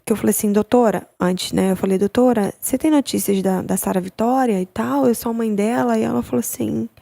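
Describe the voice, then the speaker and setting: A young adult woman, giving an emotional personal account as a podcast guest, halting and repeating her words. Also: fairly high pitch, vocal fry, dark tone. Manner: halting, with many repeated words and tag questions.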